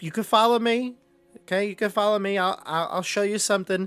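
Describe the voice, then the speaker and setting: A man's voice: sits high, brisk, a bit bright, clear, resonant tone, dry recording, pitched above the performer's own voice. A man voicing a nervous, innocent shopkeeper who stammers and pleads evasively in a tabletop game. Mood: anxious, cautious. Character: nervous, frightened, innocent male rug shopkeeper.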